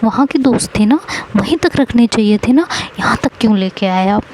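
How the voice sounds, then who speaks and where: A woman voicing a jealous, quick-tempered young wife who scolds sarcastically. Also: fairly high pitch, expressive, a little mellow, slight background noise, close to an everyday voice. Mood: angry.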